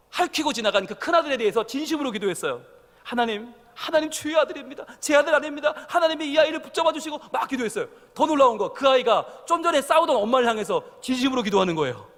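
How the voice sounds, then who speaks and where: Animated high-voiced male pastor preaching. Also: long reverb tail. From South Korea. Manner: animated storytelling, acting out family quotes. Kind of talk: sermon. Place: church sanctuary.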